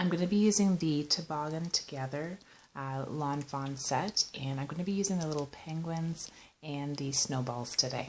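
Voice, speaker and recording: Fairly quick? No: a moderate-paced woman's voice, very deep and low, with ordinary pitch variation. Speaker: card-making crafter. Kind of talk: tutorial. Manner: hesitant with many fillers.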